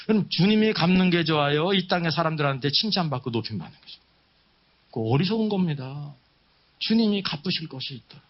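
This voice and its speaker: A man preaching at a Bible seminar, teaching emphatically with rhetorical questions and repeated key phrases. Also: a little high. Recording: dull, muffled lo-fi sound.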